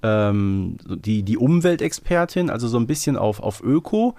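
Animated man chatting as podcast co-host. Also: mid-range voice, moderate pace, gravelly, no echo. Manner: chatty, hesitant, seeks agreement with question tags. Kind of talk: casual discussion of a children's audio series.

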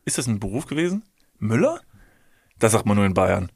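A man's voice: lowish voice, big pitch swings, fairly quick, creaky, a little mellow, husky, no room sound, clean studio sound. A young man co-hosting a comedy podcast, chatting casually and joking as he lists things off. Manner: jokey, lists things, laughs at own jokes. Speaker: podcast co-host.

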